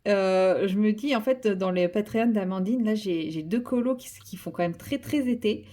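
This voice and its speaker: A woman's voice: mid-range voice, moderate pace, mellow. A young woman chatting casually about her coloring project, rambling with many fillers and restarts and poking fun at herself. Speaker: coloring vlogger. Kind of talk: casual chat while coloring.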